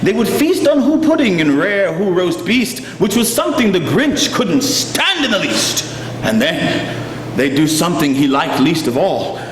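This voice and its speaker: A man reads a storybook aloud in a theatrical style, his fairly high voice swooping widely. Words get stretched for emphasis. The sound is very echoey, with music playing behind him. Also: big pitch swings, normal speed, background noise. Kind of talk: dramatic storybook reading.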